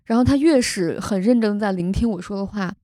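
A young woman hosts a podcast and tells a personal story in an earnest, heartfelt way. Her voice has a mellow, soft tone at a middle pitch. It sounds close and dry, with almost no room echo. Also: fairly quick. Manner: earnest, emotional retelling with vivid detail. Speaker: podcast host. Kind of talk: casual storytelling chat.

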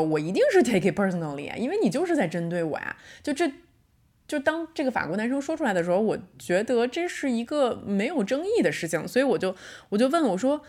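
A woman in her thirties talks alone on her podcast in a relaxed, conversational monologue. Her voice sits at an ordinary mid pitch. She recounts an argument thoughtfully and draws out her words when she wants them to land. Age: 30s. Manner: reflective storytelling, slows down to stress points. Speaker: podcast host. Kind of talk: casual solo podcast monologue.

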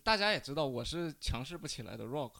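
A male guest telling a personal story in casual chat, halting and restarting as he goes. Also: fairly high pitch, expressive, creaky, sharp tone.

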